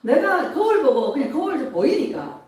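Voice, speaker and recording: A woman pastor preaching a sermon in a church, emotional and animated, often laughing as she speaks. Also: high voice, moderate pace. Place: church sanctuary. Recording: echoey church hall, mic at a distance.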